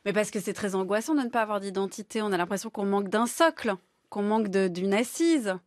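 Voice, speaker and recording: A woman's voice: mid-range voice, brisk, dry recording. A woman hosting a radio interview, asking long articulate questions with an occasional filler. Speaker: radio host.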